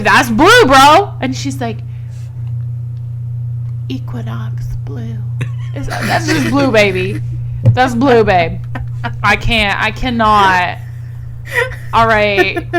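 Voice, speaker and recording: A woman's voice: fairly high pitch, slow pace, pauses often, music in the background. A woman co-hosting a podcast, bantering in a brash, sweary, exclamatory and casual comedic way. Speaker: podcast co-host. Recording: noisy recording with hum.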